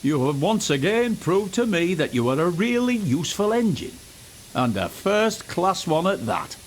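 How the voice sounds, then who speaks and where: A man's voice: sits high, very animated, moderate pace, a little hiss or hum, pitched above the performer's own voice. A man voicing an authoritative, approving older railway director in a children's storybook.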